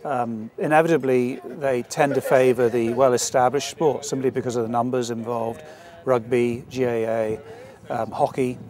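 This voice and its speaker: A man's voice: mid-range voice, steady tone, normal speed, a little mellow. Man explaining in an interview. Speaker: sports academy spokesman.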